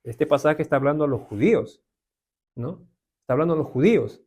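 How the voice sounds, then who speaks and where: A man's voice: on the high side, lively intonation, fairly quick, a little mellow, slightly rough. A man with a Peruvian accent teaching an informal Bible class, talking conversationally with many tag questions to his listeners. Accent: Peruvian Spanish. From Peru.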